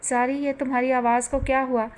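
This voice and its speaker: A woman's voice: high voice, level tone, brisk, lightly acted. A woman voicing a caring, worried mother asking anxious questions in an audiobook. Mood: concerned. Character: worried loving mother abroad on the phone.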